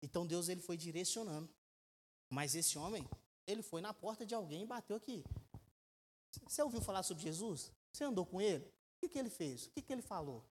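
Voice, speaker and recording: A man, preaching a sermon as a pastor. He speaks with emphatic rhetorical questions and swings between loud and quiet. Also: high voice, expressive, brisk. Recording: echoey church hall with long reverb.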